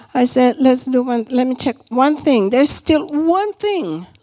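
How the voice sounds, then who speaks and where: A woman's high voice with a strong non-native accent and ordinary pitch variation. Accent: thick non-native. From small village. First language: not English. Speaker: conference speaker, prophetic minister. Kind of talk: sermon with prayer and prophetic words. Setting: church with audience.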